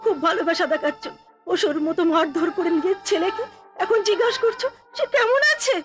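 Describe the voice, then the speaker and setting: An actress playing a gentle, protective mother defending her son in a dubbed devotional drama. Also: very high voice, lively intonation, brisk. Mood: reproachful. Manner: defensive, soothing. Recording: clear music bed behind.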